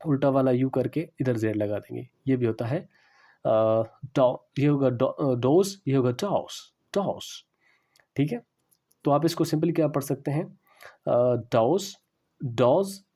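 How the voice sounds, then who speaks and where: A man giving a classroom lecture on English pronunciation, explaining slowly and repeating the example words. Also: on the high side, warm tone.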